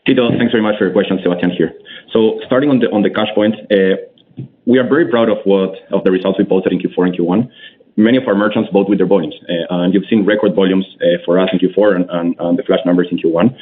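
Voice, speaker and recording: A man's voice: low voice, steady tone, fast, a little hiss or hum. A man speaking as a company executive answering questions on an earnings call, assured, emphatic and businesslike. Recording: narrow, tinny phone line.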